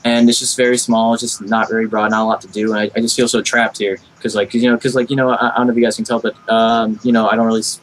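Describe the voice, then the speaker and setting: A man's voice: medium pitch, level tone, fast talker, few pauses, a little hiss or hum, rough recording. A young adult man with a General American accent, chatting casually in an earnest, rambling way as a podcast guest. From Florida, United States. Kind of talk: casual chat.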